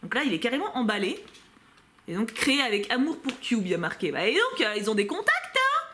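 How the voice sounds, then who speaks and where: A woman chatting casually as she unboxes a book subscription box, animated and prone to excited outbursts. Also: a little high, a little fast, slight background noise.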